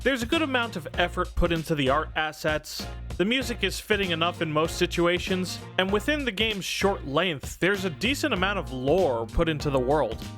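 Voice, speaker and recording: High pitched guy doing a sweary game review, voice jumps around a lot, bit of music under it. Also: lively intonation, moderate pace, a bit bright. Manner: sweary, irreverent, informal. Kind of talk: casual scripted review commentary. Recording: music behind the voice. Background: background music.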